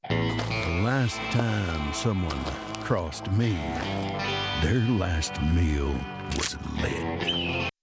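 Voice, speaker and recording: A domineering, menacing game character, theatrical and threatening. The delivery is slow with big pitch swings. Loud music and effects sit over the voice. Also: male voice, animated, exaggerated voice. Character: menacing, domineering male tough guys of animation and games. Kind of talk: video game and animation demo acting.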